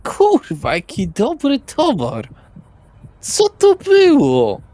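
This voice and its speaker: Mężczyzna grający rozemocjonowanego, bezczelnego młodego imprezowicza. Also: male voice, extremely high pitch, extremely slow, voice pushed up, exaggerated voice. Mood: euphoric. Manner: slangy, swearing, cocky and excitable. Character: brash, euphoric young party guy, freshly turned vampire. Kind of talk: improvised tabletop roleplay acting.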